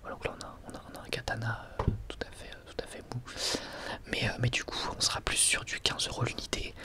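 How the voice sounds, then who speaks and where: A man whispers an ASMR product review in a breathy, unvoiced voice, halting and wryly sarcastic, close to the microphone. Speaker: ASMR video host.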